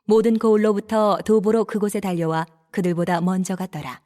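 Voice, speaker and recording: A woman narrating scripture in a steady, formal manner. Her voice sits at an ordinary middle pitch and her delivery stays even throughout. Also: brisk.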